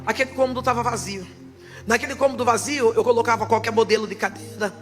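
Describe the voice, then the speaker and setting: A woman pastor giving her testimony in church, her fervent preaching swelling into loud proclaiming. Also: a little high, fairly even intonation, fast, soft background music.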